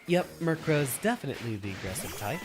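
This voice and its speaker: A man's voice: mid-range voice, sing-song, fairly quick, over loud music. A man streaming a video game with a stuffy, slightly nasal nose, musing aloud in an easygoing way and answering viewers' questions.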